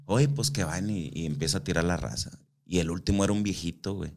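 A man's voice: deep voice, quick pace, vocal fry, a little mellow. A man from Mexico, telling stories in casual, slangy speech full of swearing and acted-out quotes. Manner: slangy, swears a lot, acts out quoted voices. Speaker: guest. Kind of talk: casual storytelling.

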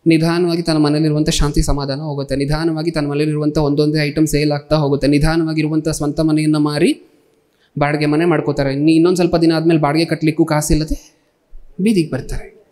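A man delivers a sermon in a slightly high voice. He keeps turning to his listeners with rhetorical questions and slows down to read scripture aloud. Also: little pitch movement, a little mellow. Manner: reads scripture slowly. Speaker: preacher.

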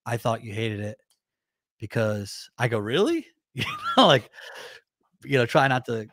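Man, 30s, nasal voice, animated casual chat, dry close sound, video call from a home room. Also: mid-range voice, a little slow, dry recording. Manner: animated, acts out quoted thoughts. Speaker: guest musician.

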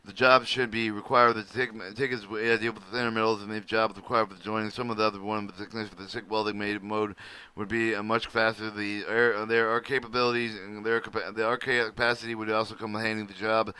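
A man with a lowish, level voice reads a welding manual aloud at his computer in a halting way, often stumbling and restarting. The screen recording is smooth, and his fairly quick delivery sounds bright and forceful.

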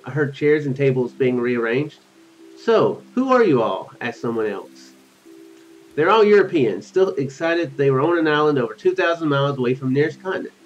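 A man's voice: on the high side, a little hiss or hum. A man in his thirties reading game text aloud and adding rambling, casual commentary as a let's play host. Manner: rambling, musing asides. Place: small room at home. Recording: dull lo-fi audio with music behind. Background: game music.

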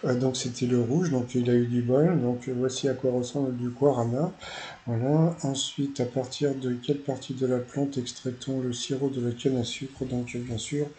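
A man talks through a quiz show episode in a loose, rambling recap, stopping and restarting often. His voice is dark and mellow. A faint hum of ambience sits behind him. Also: mid-range voice, fairly even intonation, normal speed. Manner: rambling, full of fillers and restarts. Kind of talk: casual recap commentary.

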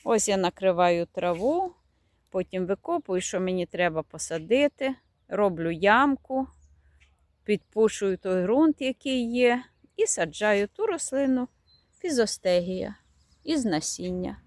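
A woman's voice: mid-range voice, big pitch swings, unhurried, darkish tone, no echo. A woman chatting fondly as she walks through her garden, showing plants and now and then searching for their names. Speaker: garden vlogger. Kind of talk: casual garden tour vlog. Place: outdoors in a garden.

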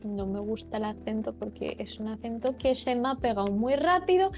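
A young woman from Asturias, Spain, streams while gaming, chatting frankly and casually, speeding up when heated and swearing now and then. Her voice is a little high with a darkish tone. The audio is dull, with soft music in the background.

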